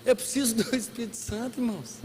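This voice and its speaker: A man preaching a sermon as a pastor, animated and humorous, acting out bits of dialogue. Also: extremely high pitch, fast talker. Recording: long hall reverb, faint room noise.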